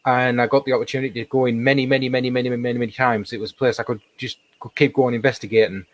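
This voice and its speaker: Slightly hoarse man telling stories. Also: medium pitch, little pitch movement, rapid-fire. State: slightly hoarse, losing his voice. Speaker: paranormal investigator, interview guest. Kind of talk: casual interview chat, telling anecdotes.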